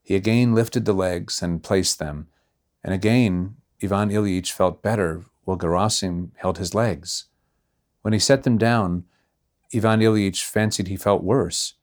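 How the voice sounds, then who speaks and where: A man reading a classic novella aloud in measured, unhurried narration. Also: low-pitched. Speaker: reader. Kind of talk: audiobook narration.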